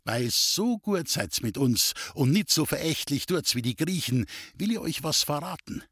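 A man's voice: fairly high pitch, very animated, normal speed, a bit bright, slightly rough, dry recording, clean studio sound, pitched above the performer's own voice, exaggerated voice. A man doing a sly, fawning older wanderer. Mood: wheedling. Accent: Bavarian.

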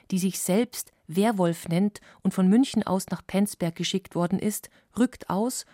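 Sober documentary narrator woman, warm tone. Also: medium pitch, no echo, studio quality. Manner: measured, sober.

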